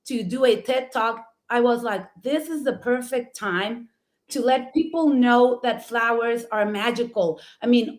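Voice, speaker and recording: Middle-aged woman, Mexican accent, Spanish native, higher pitch; effusive, emphatic storyteller on a talk show. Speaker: talk show host and florist.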